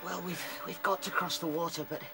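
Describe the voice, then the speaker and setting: A man's voice: fairly high pitch, fairly even intonation, brisk, creaky, very noisy. A man acting in a radio play as a small, anxious visionary rabbit, fretful and intense. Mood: weary, pleading.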